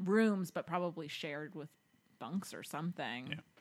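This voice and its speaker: Here is a plain, everyday voice in an American accent. The pace is fairly slow. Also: woman, very clean recording, silent background. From New Jersey. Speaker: comedian. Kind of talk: casual chat.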